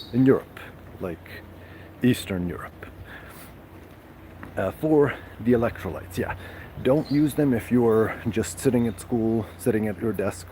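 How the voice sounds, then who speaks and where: A man hosting a casual live stream, chatting with viewers in a halting way full of fillers and restarts. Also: on the low side, mellow, a little hiss or hum. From Serbia.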